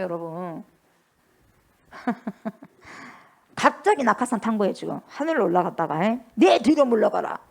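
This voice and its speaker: A woman's voice: medium pitch, vocal fry. A middle-aged woman pastor preaching a sermon, telling the story vividly and calling out to the congregation again and again. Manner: animated storytelling, acting out quoted dialogue; often addresses the congregation directly.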